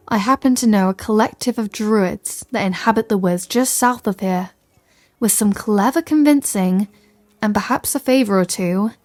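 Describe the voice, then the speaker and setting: A woman's voice: medium pitch, darkish tone, natural voice. A woman playing a capable, caring scholarly wizard in an ASMR fantasy roleplay, speaking to the listener in an articulate, bookish, reassuring way. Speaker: audio roleplay performer.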